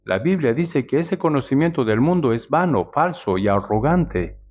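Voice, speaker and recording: A male preacher giving a measured sermon, often asking the congregation rhetorical questions. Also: medium pitch, expressive, a little mellow. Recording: dull lo-fi sound.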